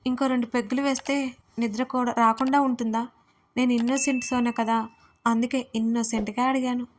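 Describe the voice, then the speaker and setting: A woman voicing a playful, childish young woman who squeals and shouts in an audio story. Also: fairly high pitch, flat delivery, brisk, a little hiss or hum, natural voice. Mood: childish pouting.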